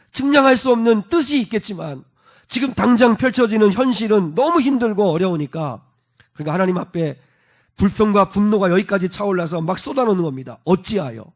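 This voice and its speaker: A man preaching a sermon as pastor, dramatic in his retelling, building to emphatic peaks and dropping soft again. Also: high-pitched, lively intonation, fairly quick. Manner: dramatic retelling, acting out quoted voices.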